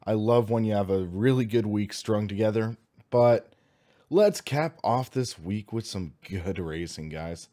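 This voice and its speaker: Slightly hoarse young American man livestreaming. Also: on the low side, measured pace, dark tone. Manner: upbeat, enthusiastic, informal. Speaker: host of a sim racing livestream. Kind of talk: casual livestream chat.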